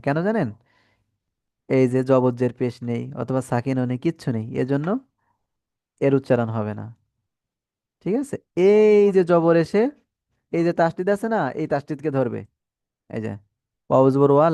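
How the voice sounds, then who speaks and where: A man's voice: a little high, mellow, smooth, no echo. A man teaching a Quran reading class, patiently spelling out letters and vowel marks and stretching the syllables as he has the students repeat. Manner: asks the class questions and has them repeat. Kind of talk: Quran recitation lesson.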